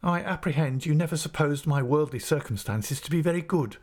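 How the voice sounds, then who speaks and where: A man's voice: fairly high pitch, brisk, darkish tone, pitched above the performer's own voice, close to an everyday voice. A man voicing a humble, aggrieved assistant teacher in an audiobook, speaking formally and with restraint. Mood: restrained, resigned. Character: aggrieved, dignified, humble male assistant schoolteacher. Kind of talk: audiobook character acting.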